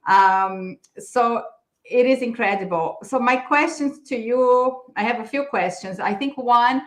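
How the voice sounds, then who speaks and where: A woman's voice: on the high side, unhurried, echoey room. A woman host asking thoughtful interview questions over a video call, sometimes searching for words.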